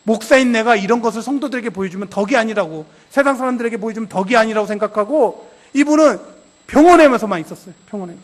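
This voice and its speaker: A man's voice: high-pitched, animated, fast. A male pastor preaching a sermon, telling a story and acting out prayers and dialogue with growing intensity. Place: church sanctuary.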